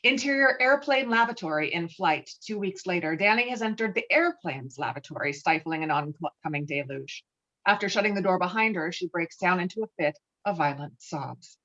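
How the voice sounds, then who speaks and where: Lower-pitched woman narrating a script. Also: animated, normal speed, fairly bright tone. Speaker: narrator reading stage directions. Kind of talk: scripted narration at a virtual table read. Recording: dull, lo-fi video-call audio.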